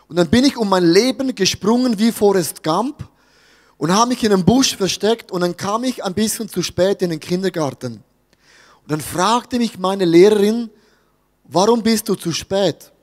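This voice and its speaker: A man's voice: high voice, a little mellow, in a large hall. A man with a Swiss German accent preaching a sermon, telling a story with jokes and asides to his audience. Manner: storytelling, jokey, talks to the audience. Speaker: pastor.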